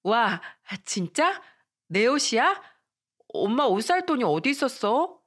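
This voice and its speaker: A woman voicing a poor young schoolgirl, shrill and pleading, in a radio drama reading. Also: very animated, takes it slowly, fairly bright tone, heavily acted. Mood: delighted.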